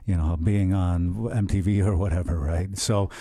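A man's voice: low-pitched, steady tone, moderate pace, dark tone, dry recording, studio quality. A middle-aged man hosting a radio show, earnest and enthusiastic, talking in long rambling turns. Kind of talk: conversational radio interview.

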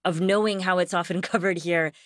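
A woman with a fairly low voice hosts an interview and asks careful, reflective questions. Her sound is dry and close. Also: fairly even intonation, brisk, dry recording. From United States. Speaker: interviewer host.

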